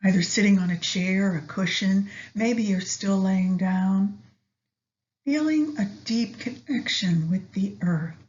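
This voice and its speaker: This meditation guide has a mid-range voice and a soothing manner. She moves very slowly, with long silences separating her soft phrases, on a recording that's slightly dull and lo-fi.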